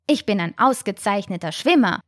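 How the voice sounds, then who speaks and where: A woman voicing a gentle little great white shark child, explaining himself earnestly and eagerly. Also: mid-range voice, animated, moderate pace, dry recording, clean studio sound, natural voice.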